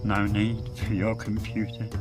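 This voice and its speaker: A man voicing a grumpy male cartoon cat who drawls in a dry, deliberate way. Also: lowish voice, monotone, voice pushed down, natural voice. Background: music.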